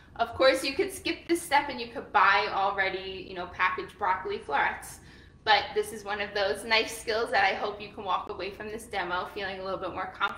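A woman is speaking. Her voice has audible room echo. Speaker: cooking instructor. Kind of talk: tutorial. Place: kitchen. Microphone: camera far.

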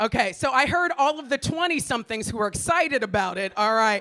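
An American woman speaks with an American accent in a raised, projected voice, her animated tone swinging very widely in pitch at a fairly quick pace. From Los Angeles, US. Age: 40s. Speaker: stand-up comedian. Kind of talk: stand-up comedy. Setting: stage with audience. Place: stage. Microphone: handheld.

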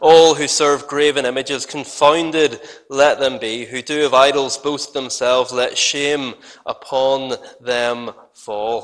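Against a quiet background, a man talks at a fairly slow pace in a monotone, flat intonation. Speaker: minister. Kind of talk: sermon. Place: church. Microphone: podium.

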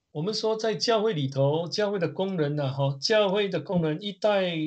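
A high-pitched man at a very slow pace, with ordinary pitch variation, over a quiet background. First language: Mandarin Chinese (speaking French). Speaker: preacher. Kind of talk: sermon. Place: home room. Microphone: webcam.

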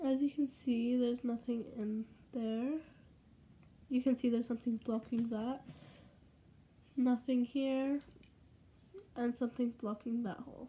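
Pausing long and often, a woman speaks at a fairly slow pace in a high, dark, mellow voice with monotone, flat intonation. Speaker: LEGO builder. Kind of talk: casual tutorial talk to camera. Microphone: phone near.

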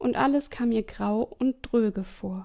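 A woman's calm, soothing voice, dark and mellow in tone, pitched fairly high. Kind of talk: bedtime story, scripted narration read aloud. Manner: calm, soft and slow, gently soothing; narrates in a storyteller's tone, adding subtle character voices for dialogue.

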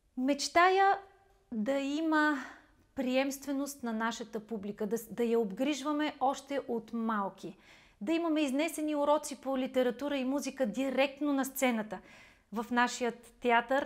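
Over a quiet background, a woman speaks in a high voice at a fairly slow pace. Her pitch variation is ordinary. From Bulgaria. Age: 40s. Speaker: opera singer and political candidate; candidate. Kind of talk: campaign statement. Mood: warm, earnest, hopeful. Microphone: lapel.

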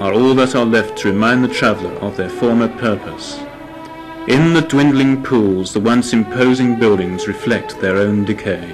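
A man keeps a moderate pace while music sounds behind him. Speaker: documentary narrator. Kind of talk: documentary narration. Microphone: old recording.

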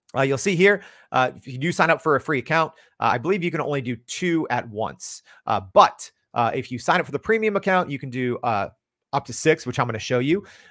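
Against a quiet background with dry sound and no echo, a man talks at a fairly quick pace with lively intonation. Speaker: podcast host reviewing a tool. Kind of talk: tutorial.

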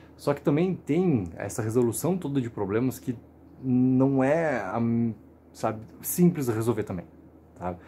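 A man's somewhat breathy, dark and mellow medium-pitched voice, lively in intonation, at a fairly slow pace with long, frequent pauses over light background noise. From Brazil. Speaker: YouTube TV-series commentator; TV series commentator. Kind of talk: casual video commentary. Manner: animated. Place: home room.

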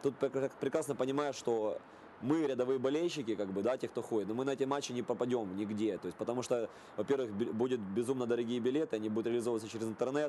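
Over light background noise, a man speaks at a very fast pace with a dark, mellow tone and ordinary pitch variation. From Dnipro, Ukraine; Ukraine. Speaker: football ultras fan. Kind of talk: interview answer. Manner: halting, filler words. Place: office.

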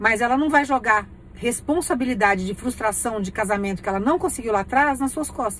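At a high pitch and a fairly quick pace, a woman speaks with lively intonation in a dry sound with no echo and light background noise. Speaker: religious preacher. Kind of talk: sermon-style prophetic message. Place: car. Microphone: phone near.

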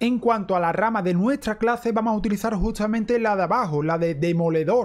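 A man speaks with a Castilian accent. His pace is fairly quick. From Spain. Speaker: gaming YouTuber. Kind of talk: game build tutorial. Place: home room.

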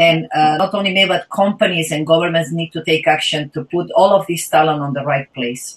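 With a Spanish accent, this voice moves at a fairly quick pace with hardly any pauses. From Spain. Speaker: investment partner, gender equality advocate. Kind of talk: panel discussion. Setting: video call. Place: home room. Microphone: video call.

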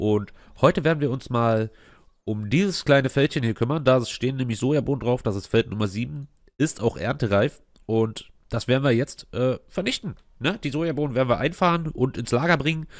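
A man talks fairly quickly in a normal speaking voice, his medium pitch showing ordinary pitch variation. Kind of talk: casual let's play commentary.

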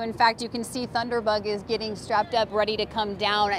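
A woman at a fairly quick pace, with a dry sound with no echo and light background noise. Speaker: TV field reporter. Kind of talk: live news report. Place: street.

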